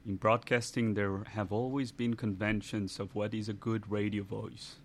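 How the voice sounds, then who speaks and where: A man reads a scripted narration in a measured, explanatory manner. His voice sits low and barely rises or falls. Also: level tone, a little hiss or hum.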